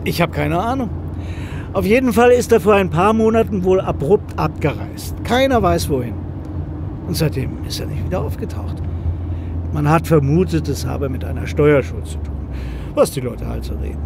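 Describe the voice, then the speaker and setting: A self-assured American millionaire and ex-airman in a horror radio play. His fairly high male voice chats along wryly, with clear ambient noise behind it. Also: expressive, moderate pace. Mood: chatty, wry. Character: American millionaire ex-Air Force man, chatty, wry, sure of himself. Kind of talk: horror audio drama dialogue.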